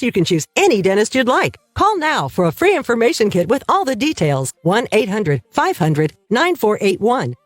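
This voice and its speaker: Ad announcer, persuasive, lively delivery, dry close mic. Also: dry recording. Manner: smooth, persuasive pitch. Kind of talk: scripted radio ad read.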